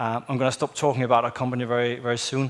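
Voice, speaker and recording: A man with a Danish accent talks at a fairly quick pace in a medium pitch. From Denmark. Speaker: engineering consultant. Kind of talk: conference presentation. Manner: hesitant, many fillers.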